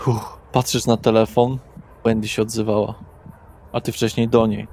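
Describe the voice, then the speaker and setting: A man's voice: lowish voice, level tone, moderate pace, a little mellow, slight background noise. A man working as game master, narrating an improvised horror roleplaying session.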